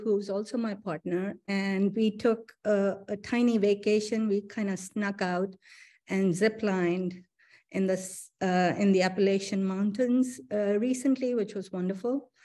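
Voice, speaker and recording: A middle-aged woman, born and raised in Pakistan, gives an online lecture about her art. She talks in a measured, reflective manner, partly reading her script. Her voice sits at a middle pitch and comes through a webcam microphone. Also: a little mellow. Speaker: artist giving a talk. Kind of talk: virtual artist lecture. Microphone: video call webcam.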